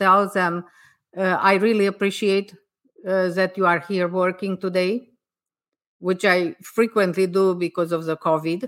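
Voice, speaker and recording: A woman with a non-native accent. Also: very clean recording, silent background. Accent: foreign-accented English. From outside the US, immigrant. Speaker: energy healer. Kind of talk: interview. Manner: hesitant, many fillers.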